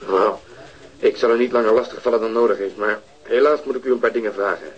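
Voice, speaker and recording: An actor playing a patient, methodical police detective in a radio drama. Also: male voice, on the low side, fast talker, highs cut off, natural voice. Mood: polite. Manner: polite, methodical questioning. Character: patient police detective, middle-aged man.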